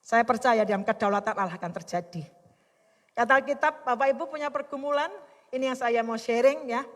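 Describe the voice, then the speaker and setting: High-voiced woman pastor in a reverberant hall. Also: a little fast. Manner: emphatic, heartfelt preaching. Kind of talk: sermon. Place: worship service in a hotel hall.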